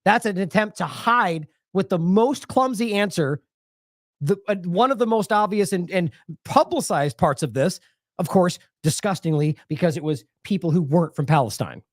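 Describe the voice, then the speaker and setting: A man's voice: high-pitched, animated, moderate pace, no room sound, studio quality. An American man hosting an independent news show, delivering sarcastic, indignant commentary full of rhetorical questions.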